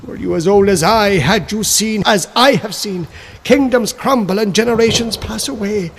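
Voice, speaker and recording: A man's voice: high voice, normal speed, slight background noise. A man voicing an ancient, mad male sorcerer who raves grandly in archaic speech. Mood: raving grandiose.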